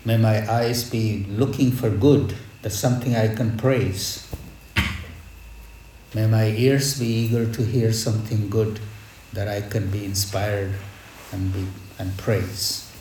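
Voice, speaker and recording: Slow, reverent man preaching in an echoey space. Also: fairly low pitch, flat delivery, warm tone. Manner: reverent, measured, reflective, with deliberate pauses. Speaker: spiritual teacher leading a devotional gathering. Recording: echoey space with background noise.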